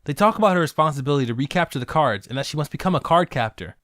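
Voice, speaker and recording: A man's voice: on the high side, expressive, racing, fairly bright tone, dry recording, studio quality. A young man hosting a comedic review video, sarcastic with jokey asides. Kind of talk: comedic narration.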